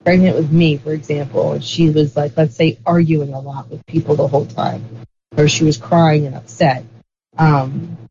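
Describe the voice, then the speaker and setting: Interview guest, rambling, lots of fillers, mid pitch, dull recording, faint hiss. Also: level tone, normal speed, vocal fry. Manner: rambling, heavy use of "like" fillers. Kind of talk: casual conversational explanation.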